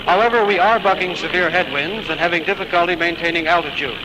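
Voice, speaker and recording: An actor playing a calm, official airline captain making a measured announcement in a 1950s radio drama. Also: male voice, high voice, lightly acted. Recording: hiss of an old radio broadcast.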